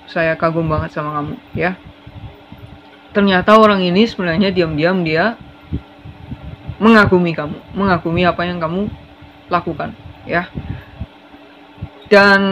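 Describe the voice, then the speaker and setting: A tarot reader talking casually through a reading, expressive and quick to laugh, slipping in English phrases. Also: medium pitch, a little hiss or hum. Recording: slightly muffled lo-fi recording.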